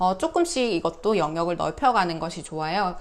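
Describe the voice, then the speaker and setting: An unremarkable speaking voice moves at a moderate pace with lively intonation. The recording is very clean with a silent background. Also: woman. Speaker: parenting coach. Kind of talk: tutorial.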